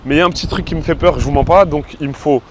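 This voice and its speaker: A man vlogging casually to camera outdoors, slangy and excitable, calling his viewers family. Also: a little high, very fast, slight background noise. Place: outdoors in a city, around a car pound.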